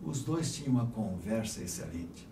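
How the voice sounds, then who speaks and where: A man's dark, mellow, somewhat breathy voice with very wide pitch swings and audible room echo. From Brazil, Paraná (São José dos Pinhais). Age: 70s. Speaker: Marist brother and educator. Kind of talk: oral history testimony.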